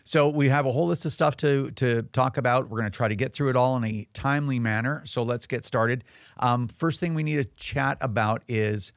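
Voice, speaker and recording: A man hosts a podcast in a casual, rambling way, often stopping to restart his thoughts. His voice is gravelly with a fry at the bottom, pitched in a middle range. The sound is close and dry. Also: a little fast, no room sound. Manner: rambling, many restarts and fillers. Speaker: podcast host. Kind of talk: casual talk show monologue.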